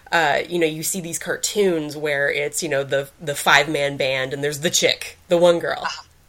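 A woman's very deep, low voice at a moderate pace with hardly any pauses, over noticeable background noise. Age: 30s. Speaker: podcast host. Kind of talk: casual chat. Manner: animated.

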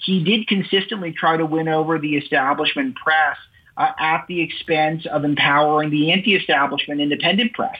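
This man has an ordinary speaking voice, fairly high in pitch with ordinary pitch variation. He speaks at a fairly quick pace with very even loudness. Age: 30s. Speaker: news editor and radio host. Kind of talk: interview.

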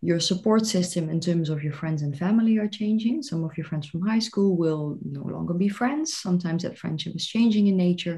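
Noticeable background noise behind speech with ordinary pitch variation. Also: woman, fairly low pitch for a woman. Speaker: university lecturer and podcast interviewer. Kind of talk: interview conversation.

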